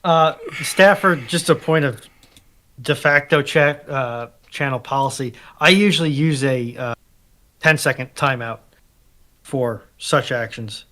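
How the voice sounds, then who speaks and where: A man chatting casually as a panellist, with a measured, dry manner. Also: mid-range voice, pushed and bright. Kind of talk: casual chat.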